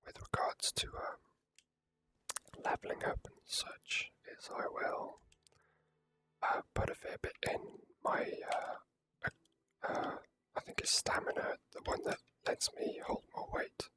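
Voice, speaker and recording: Casting: whispering ASMR game streamer, close-miked, rambling and confiding, sharp bright hiss to the voice. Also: slow, long pauses, low-quality recording. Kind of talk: whispered ASMR gameplay commentary.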